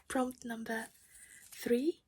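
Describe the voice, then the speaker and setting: A woman's voice: fairly high pitch, little pitch movement, very slow, darkish tone, husky, poor audio. A woman whispering her way through a casual cross-stitch project chat at home while losing her voice.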